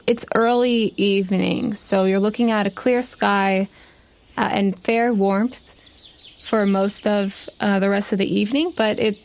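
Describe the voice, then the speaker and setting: A woman acts as game master for a tabletop role-playing game. Her voice sits at a middle pitch. She improvises descriptions casually, building them phrase by phrase. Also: slight background noise.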